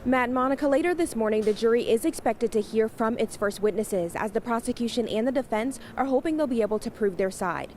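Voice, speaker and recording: Higher-pitched woman reporter, noisy live location. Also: brisk, few pauses, a little mellow. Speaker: TV news field reporter. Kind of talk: scripted live news report. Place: live remote at a courthouse. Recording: clear background noise, live on location.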